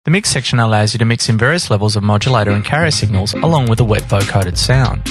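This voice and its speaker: A man reading scripted instructional narration in a measured, explanatory manner. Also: fairly low pitch, expressive, faint music behind. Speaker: tutorial narrator.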